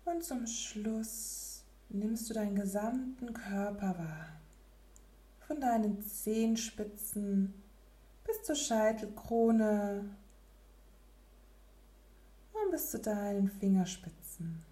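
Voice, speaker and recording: A woman leading a guided relaxation meditation in a soft, breathy, near-whispered spa voice with gentle pauses. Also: medium pitch, lively intonation, echoey room. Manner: slow, gentle, with long pauses.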